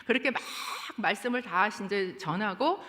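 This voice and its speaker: A woman's voice: medium pitch, normal speed. A woman pastor preaching a sermon, telling stories with animation and pressing her points with emphasis. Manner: animated storytelling, rising to emphatic exhortation. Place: church sanctuary. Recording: long church hall reverb.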